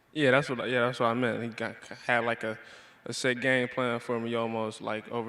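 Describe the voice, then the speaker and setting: A man with an American accent, medium in pitch and bright, sharp in tone, talking at a fairly quick pace amid audible room echo. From Detroit, Michigan. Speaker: basketball player. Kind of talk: press conference.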